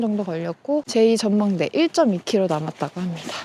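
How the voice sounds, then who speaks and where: Over noticeable background noise, a woman speaks at a fairly quick pace with very wide pitch swings, the sound dry and close with no echo. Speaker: hiking vlogger. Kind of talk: vlog narration while hiking. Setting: outdoors on a mountain trail. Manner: casual, chatty.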